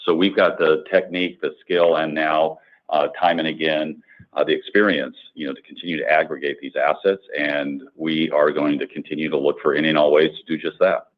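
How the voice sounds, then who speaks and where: A male company executive answering on an earnings call, speaking in halting corporate phrasing over a phone line. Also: a bass voice, fairly even intonation. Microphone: conference call line. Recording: tinny narrow phone line.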